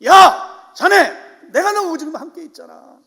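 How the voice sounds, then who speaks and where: A man's voice: very high-pitched, lively intonation, a little slow, creaky, sharp tone, long reverb tail, voice pushed up, exaggerated voice. A preacher voicing a fervent fatherly God. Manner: old-fashioned fatherly speech, pleading and fervent. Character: tender fatherly God comforting a despairing prophet.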